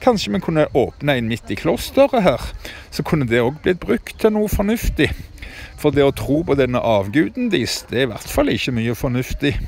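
Very wide pitch swings mark this voice at a moderate pace. The sound is dry with no echo, with light background noise. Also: man. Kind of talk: casual vlog chat. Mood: mocking, opinionated. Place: street. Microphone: phone near.

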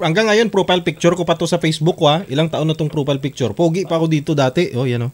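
In an animated tone, a man with a fairly high voice talks at a very fast pace with ordinary pitch variation. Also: hardly any pauses. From Philippines. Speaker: live call-in show host. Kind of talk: casual chat. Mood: joking, teasing. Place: studio. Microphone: studio mic.

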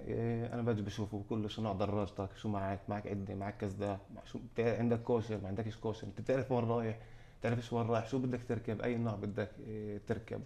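A man with a fairly low, dark and mellow voice talks at a fairly quick pace in a flat monotone. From Israel. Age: 30s. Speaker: cycling coach. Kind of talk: TV interview. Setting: studio. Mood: relaxed, engaged. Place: studio. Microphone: lapel.

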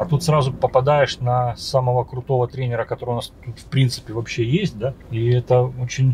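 Somewhat breathy, a man talks at a moderate pace with fairly even intonation over light background noise. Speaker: fitness coach vlogger. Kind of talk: casual vlog chat. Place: car. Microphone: camera far.

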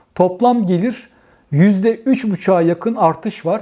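A man's dark, mellow voice with lively intonation at a very slow pace. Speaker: financial news commentator. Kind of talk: solo economic news commentary. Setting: self-recorded video.

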